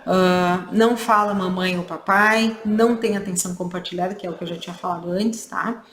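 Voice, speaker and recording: A woman's voice: on the low side, steady tone, fairly quick, fairly bright tone. Woman lecturing in an echoey room. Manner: explanatory, with frequent tag questions. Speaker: clinician giving a training lecture. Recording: echoey room with faint ambience.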